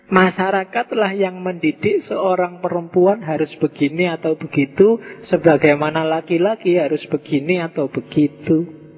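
A man's voice: high voice, moderate pace, breathy edge. A man giving an informal classroom lecture, chatty and full of rhetorical questions. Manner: conversational, asks rhetorical questions. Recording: tinny, echoey hall.

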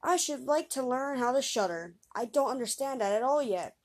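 A woman's voice: sits high, lively intonation, normal speed. A woman playing an earnest fearless young lad. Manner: earnest, blunt. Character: fearless simple-minded young man, bold and stubborn.

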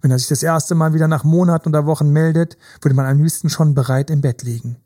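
A man's voice: a little high, fairly even intonation, quick pace, warm tone. A man talking as a relationship coach in casual podcast conversation, emphatic and repetitive, building vivid images.

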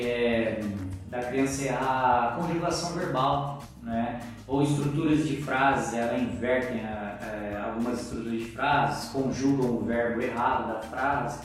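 A man teaching tips on children's speech in a live Q&A stream, talking in a loose, explanatory way full of fillers and tag questions. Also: mid-range voice. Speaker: co-host, teacher giving literacy tips. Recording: echoey room, far from mic, faint music.

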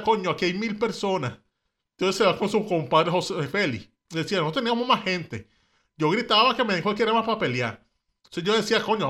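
A man with a Venezuelan accent, co-hosting a podcast, retelling history in slangy, animated chat. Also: sits high. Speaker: podcast co-host. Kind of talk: casual storytelling chat.

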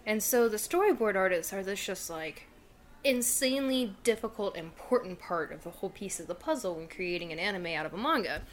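A woman's voice: medium pitch, animated, fairly quick, a little hiss or hum. Giggly young woman in casual chat. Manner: giggly, easygoing, talks about anime.

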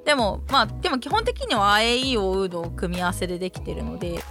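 Lively, chatty woman podcast host. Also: mid-range voice, soft background music. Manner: chatty, laughs easily, lots of quick back-channel replies. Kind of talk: casual chat.

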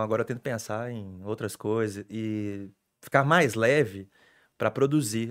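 A young man who works as a sports reporter spins stories on a laid-back podcast, sounding eager and lively, his voice pitched in the middle range.

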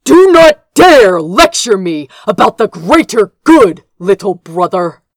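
A woman's voice: medium pitch, very animated, takes it slowly, no echo, full character voice. A woman voicing an arrogant, domineering prince, an angry older brother, in a stern, clipped, condescending way for an audiobook. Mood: tight anger.

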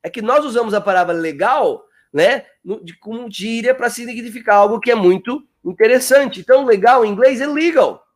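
A man's extremely high voice carries a live-streamed English lesson. He chats warmly and coaxes viewers, says words slowly again and again to demonstrate pronunciation, and addresses viewers by name.

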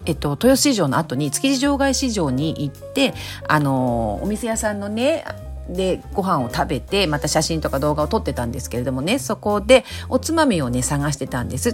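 A woman hosting a snack-bar themed talk show chats alone in a casual, polite way, using frequent softening particles. Her low voice is hoarse and raspy from drinking the night before, yet sing-song and fairly quick, with soft music playing behind her.

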